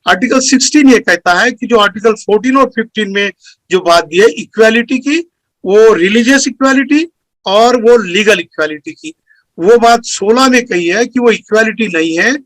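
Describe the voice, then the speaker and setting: A man's voice: high voice, moderate pace, a bit bright, no room sound, poor audio. A man giving a formal speech to a gathering, earnest and lecturing, going through his points one by one. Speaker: speaker at a community meeting.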